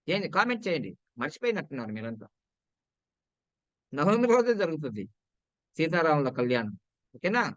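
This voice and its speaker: A man's voice: a little high, fairly bright tone, no room sound, highs cut off. A man with a Telugu accent giving casual talk on numerology to viewers, chatty and repetitive, often asking them to comment. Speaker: numerology and astrology presenter.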